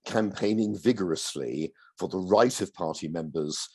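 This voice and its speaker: Man, very low voice, hoarse and losing it, modest, panel speaker on a video call. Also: normal speed, darkish tone. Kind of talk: opening remarks at an online panel.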